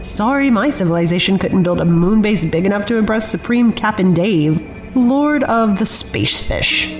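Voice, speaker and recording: A woman's voice: mid-range voice, expressive, moderate pace, soft background music, natural voice. An actress playing a wary, sarcastic woman survivor in an audio drama, with a dry, impatient manner.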